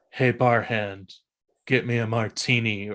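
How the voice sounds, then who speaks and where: Using a put-on character voice, a man speaks at a fairly slow pace with a medium pitch and monotone, flat intonation. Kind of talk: detective-y stereotypical voice. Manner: hard-boiled, old-movie.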